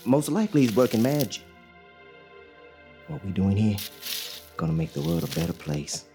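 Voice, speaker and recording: Young father, calm, plainspoken drawl, gravelly voice, faint music behind. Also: fairly low pitch, moderate pace. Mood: steady. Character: young enslaved male father, steady and hopeful. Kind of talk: audio drama acting.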